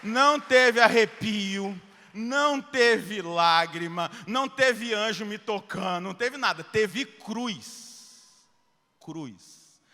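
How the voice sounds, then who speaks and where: Bright-voiced Brazilian priest preaching. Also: male voice, high voice, takes it slowly, long reverb tail. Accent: Brazilian Portuguese. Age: middle-aged. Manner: animated, acts out dialogue, swings from loud to hushed. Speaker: Catholic priest. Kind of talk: sermon with personal storytelling.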